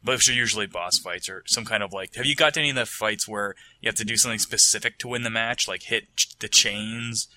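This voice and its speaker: A man with a lowish voice that still cuts through with a very bright, tense edge. He talks bluntly and swears in passing during the casual chat. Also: fairly quick, hardly any pauses. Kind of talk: casual chat about video games.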